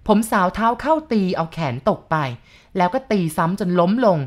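A woman narrating a first-person ghost story in a steady, even reading voice. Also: medium pitch, normal speed.

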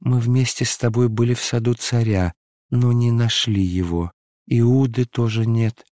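A man's voice: mid-range voice, steady tone, darkish tone, dry recording, clean studio sound, close to an everyday voice. A man reading aloud and voicing a dying young woman who rises into frenzied, wailing curses. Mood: faint, weary. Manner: wailing, cursing, drawn-out.

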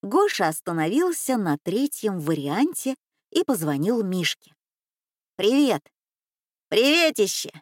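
A woman narrating a children's story, reading in an unhurried, expressive way. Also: medium pitch, no room sound, clean studio sound.

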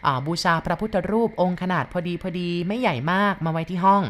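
A woman retelling a listener's ghost story in a casual, chatty way, with polite particles and lively quoted lines. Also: lowish voice, fairly quick.

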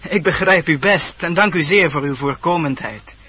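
A man's voice: fairly high pitch, normal speed, sharp tone, slightly rough. A man playing an ardent, courtly young prince in a radio play, declaiming verse solemnly and poetically. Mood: courteous. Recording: dull old radio recording. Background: music.

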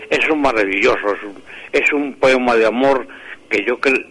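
A priest talks in a radio interview with a low, husky voice. He unfolds his tale very slowly, full of fillers and restarted phrases. The sound is that of a radio broadcast. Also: a bit bright, low-quality recording. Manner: slow, hesitant, with many restarts and fillers. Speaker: author and priest, interview guest.

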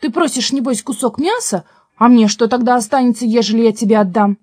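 Woman doing a peasant man, stubborn, exasperated, loud scolding, storybook, dry sound. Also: a little high, brisk, slightly rough, no room sound. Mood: reasoning.

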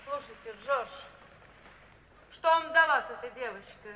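A woman's voice: sits high, unhurried, distant mic. An actress playing a brash, scornful middle-aged mother with theatrical, emphatic delivery in a 1950s radio play. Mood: scornful, sharp. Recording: roomy 1950s stage-like recording, faint hiss.

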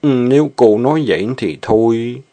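A man's voice: mid-range voice, expressive, moderate pace, dark tone, voice pushed up, lightly acted. A man voicing a bashful, lovesick young farmhand who stammers. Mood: hesitant. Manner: stammering, hesitant.

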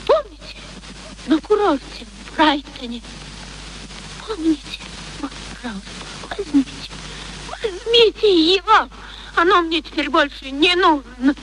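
A defiant young flower girl from an old radio play. Her voice is strikingly high and animated, with a sharp edge. She speaks with hurt pride and pointed formality. The recording carries light noise. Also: unhurried, long pauses, heavily acted, rough recording. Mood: hurt, trembling. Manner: theatrical, pointedly formal, emotional. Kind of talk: Russian radio play acting.

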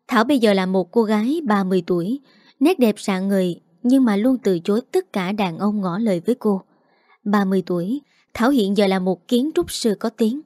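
A woman reads a dramatic story aloud, narrating steadily in a scripted style and performing every character's voice herself. Her pitch is medium, and the recording is dry and studio quality.

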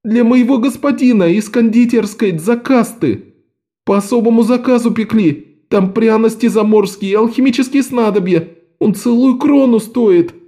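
A man doing a high, whimpering errand boy. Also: moderate pace, warm tone. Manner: whimpering, pleading. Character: young male thief faking a sobbing errand boy.

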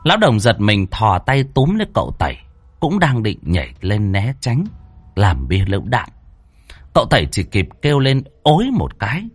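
A man narrating a ghost story in a lively, dramatic, colloquial way, with a husky voice. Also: on the low side, normal speed, no echo, faint music behind.

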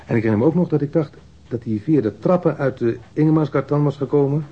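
A man's voice: a little high, quick pace, breathy edge. An actor playing an evasive street mugger in a radio drama, defensive and rambling as he answers police questions in slangy, hesitant speech. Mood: insistent, irritated. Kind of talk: naturalistic radio drama acting. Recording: dull lo-fi radio recording.

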